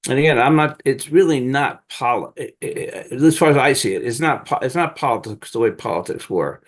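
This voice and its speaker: An older man, a Zen teacher, leading a dharma talk and group discussion in a halting, searching way with many restarts. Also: medium pitch, lively intonation.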